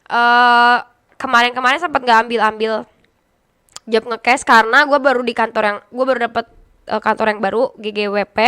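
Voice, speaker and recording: A young woman talks as a podcast guest in a high, bright voice. She is chatty and blunt and laughs easily, and her tone stays smooth and clear throughout. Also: fairly even intonation, a little fast. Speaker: guest, esports caster and streamer. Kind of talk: casual podcast interview.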